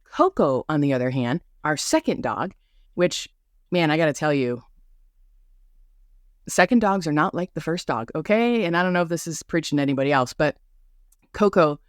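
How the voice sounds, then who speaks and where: A woman's voice: sits low, expressive, normal speed, long pauses, no echo. Chatty woman podcaster, rambling asides, slight trouble with R's, dry close sound. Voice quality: mild speech impediment with some R sounds. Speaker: podcast host. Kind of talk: casual rambling monologue.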